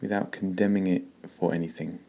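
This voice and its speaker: Deep, creaky male meditation guide. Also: level tone, brisk, warm tone. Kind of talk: guided meditation, slow and calm.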